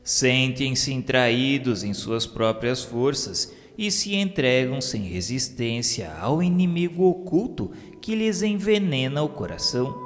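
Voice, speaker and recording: Slow, reverberant Brazilian male narrator. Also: mid-range voice, lively intonation. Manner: measured, formal, literary delivery. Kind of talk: solemn scripted narration of a religious radio novela. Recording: long reverb with music bed. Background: music.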